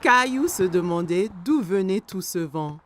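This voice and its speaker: A woman playing the warm narrator of a children's cartoon, telling the story in an expressive storybook style. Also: fairly low pitch, a little slow. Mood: storytelling. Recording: music behind.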